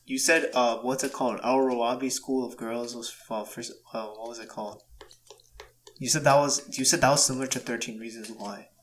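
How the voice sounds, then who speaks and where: A man's voice: mid-range voice, steady tone, a little fast, fairly bright tone, a little hiss or hum. A man co-hosting a casual podcast chat, hesitant and questioning, with many restarts and fillers. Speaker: podcast co-host. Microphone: home podcast mic recorded in audio software.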